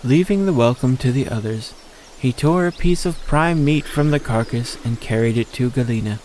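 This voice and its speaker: A man's voice: medium pitch, a little mellow, a little hiss or hum, poor audio. A man narrating a scripted story in an audio drama.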